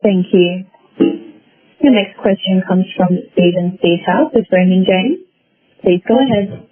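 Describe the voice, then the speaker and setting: A woman's voice: medium pitch, a little slow, breathy edge, faint music behind. A woman working as a conference call operator, making scripted announcements to introduce callers over a phone line. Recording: dry narrowband phone line.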